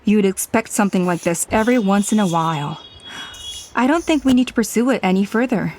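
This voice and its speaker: Woman playing a calm hospitable tribal elder. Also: medium pitch, fairly quick, a little hiss or hum, lightly acted. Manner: composed, hospitable. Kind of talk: game cutscene voice acting.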